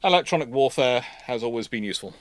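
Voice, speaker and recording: A man's voice: mid-range voice, animated, fast, dry recording. A man answering questions on a live history stream, repeating and restating himself emphatically as he explains. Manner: hesitant repetitions, emphatic restating. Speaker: host of a naval history livestream, consultant.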